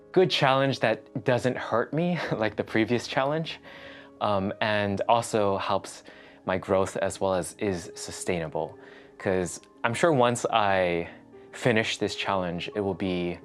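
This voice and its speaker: A man hosting a fitness vlog, chatting casually and thinking aloud in a rambling way. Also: fairly low pitch. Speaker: host of a fitness challenge vlog. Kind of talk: casual chat to the viewer.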